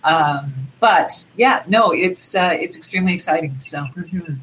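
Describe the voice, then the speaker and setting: A woman's voice: fairly low pitch, a little slow, a bit bright, low-quality recording. A woman from Western Canada, a guest on a tech chat who talks easily and agrees a lot. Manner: chatty, agreeable. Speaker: guest, IVR voice artist. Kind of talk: casual chat.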